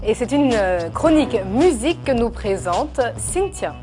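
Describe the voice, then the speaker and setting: A woman with a fairly high voice co-hosts a TV news program, and music is clearly heard behind her. She asks questions and leans on frequent fillers. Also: very animated, measured pace. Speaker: news co-host. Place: TV studio.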